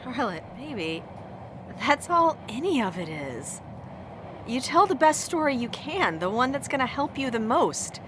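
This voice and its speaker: An actress playing a devoted, wounded wife in an audio drama, speaking with emotional pleading. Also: female voice, on the high side, very animated, a little slow, noisy background. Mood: earnest, pleading.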